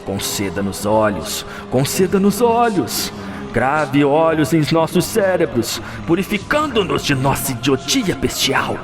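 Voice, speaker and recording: A man voicing a mad scholar villain in an audio drama, theatrical, with drawn-out exclamations. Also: fairly high pitch, sing-song, music in the background, pitched above the performer's own voice. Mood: reverent, fervent. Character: mad male scholar villain, host of a nightmare.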